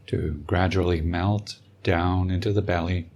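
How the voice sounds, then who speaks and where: A man leading a guided meditation as a teacher, speaking calmly and unhurriedly with long pauses. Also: low voice, dull audio, slight background noise. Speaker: meditation teacher and podcast host. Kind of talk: guided meditation, slow and soothing.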